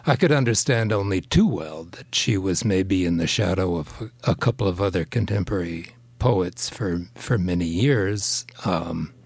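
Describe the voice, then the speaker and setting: A man, a translator, speaking hesitantly with many pauses and ums in an interview. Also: deep voice, animated, vocal fry, darkish tone, breathy edge, no room sound. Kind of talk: radio interview.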